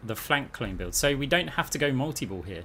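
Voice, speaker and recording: This man has an English accent, lively intonation and a bright, sharp tone. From England, north of London. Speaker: gaming streamer. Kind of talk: live gameplay commentary. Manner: casual, thinking aloud.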